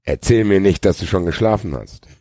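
Man reading a teasing sarcastic ex-girlfriend, low, husky, dry. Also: expressive, fairly quick, mellow, no room sound. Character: sarcastic mocking woman, a former lover.

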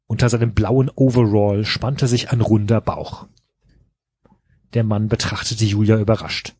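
Husky man reading a novel with playful voices. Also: on the low side, fairly even intonation, a little slow, a little mellow, no room sound, clean studio sound. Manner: reads with playful voices for the characters, breaks off to joke and laugh. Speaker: podcast co-host reading a novel aloud. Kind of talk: casual chat with dramatized reading.

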